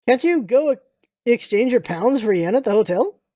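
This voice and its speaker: A woman's voice: on the high side, expressive, normal speed, dark tone, no room sound, clean studio sound, close to an everyday voice. A woman playing an easygoing, reluctant but kind soldier in a story reading, talking in casual, slightly hesitant slang. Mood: incredulous.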